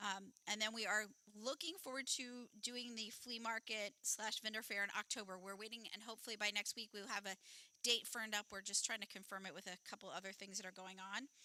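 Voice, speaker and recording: A loud, bright, sharp woman's voice, fairly high in pitch, with fairly even intonation. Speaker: church announcer. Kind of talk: church announcements.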